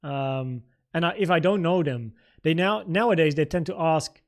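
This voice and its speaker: Higher-pitched Dutch man livestreaming. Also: normal speed. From the Netherlands. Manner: informal, thinking aloud, reading out viewer comments. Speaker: trading livestream host. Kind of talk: casual livestream Q&A and market commentary.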